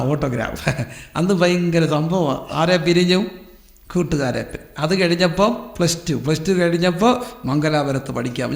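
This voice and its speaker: Malayali preacher guy, kinda high and gravelly, asks the crowd stuff then answers it, echoey hall sound. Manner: storytelling, asks questions and answers them. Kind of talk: sermon.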